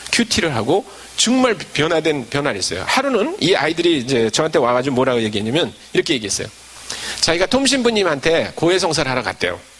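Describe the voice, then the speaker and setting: A man at a very fast pace, fairly high in pitch, with very wide pitch swings and noticeable background noise. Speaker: missionary preacher. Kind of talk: sermon.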